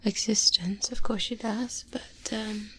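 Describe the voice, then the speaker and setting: Close to a binaural microphone, a woman with a mid-range voice plays a seasoned vampire hunter, a calm, protective mentor, in a soft-spoken ASMR roleplay. Her breathy, whispery delivery is hushed, slow and deliberate with long pauses, grave and reflective in mood, over a slight hiss or hum.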